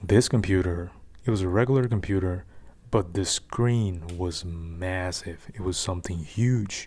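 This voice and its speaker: A soft-spoken man with a non-native accent, a very deep, low pitch and a fairly slow pace. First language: not English. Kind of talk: ASMR storytime. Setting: some background noise.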